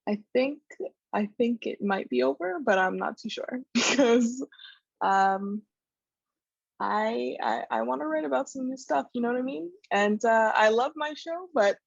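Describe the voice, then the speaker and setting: A woman speaks tentatively in casual chat, her fairly high voice husky and full of fry. The recording is dry and somewhat dull. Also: a little slow, no echo. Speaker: playwright on a panel.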